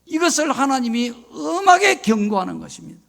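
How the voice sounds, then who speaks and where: A man's voice: extremely high pitch, sing-song, a little fast, creaky, fairly bright tone. An older man, a retired senior pastor, preaching a solemn, emphatic sermon of warning.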